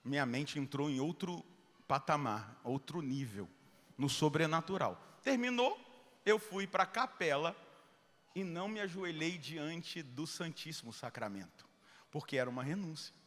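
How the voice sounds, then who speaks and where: A middle-aged Brazilian man, a Catholic priest, preaching a sermon full of personal stories. He acts out dialogue and swings between loud and hushed speech. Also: on the high side, lively intonation, measured pace, in a large hall. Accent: Brazilian Portuguese.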